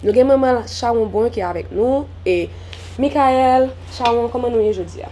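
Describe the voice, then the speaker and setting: A young adult woman hosting a TV magazine interview, asking friendly, steady questions on a home veranda with a lapel mic. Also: a little high, moderate pace, a little hiss or hum. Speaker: TV magazine host.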